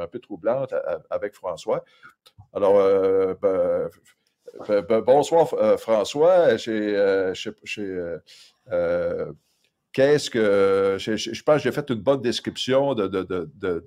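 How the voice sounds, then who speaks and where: Halting man with a lowish voice. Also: dark tone. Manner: halting, heavy stammering and fillers. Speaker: show host. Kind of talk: casual talk-show introduction.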